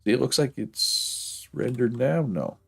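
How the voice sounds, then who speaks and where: A man's voice: medium pitch, animated, a little slow, gravelly, breathy edge. A man streaming a factory-building game, thinking aloud casually with a stuffed-up nose and frequent chuckles. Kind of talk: casual gameplay commentary.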